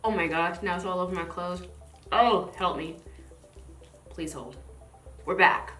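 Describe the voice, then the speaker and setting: A woman's voice: lowish voice, unhurried, pushed and bright, echoey room, faint music behind. A woman from the southern United States chatting casually to camera as a skincare reviewer, in a bubbly, playful manner. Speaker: skincare vlogger and product reviewer.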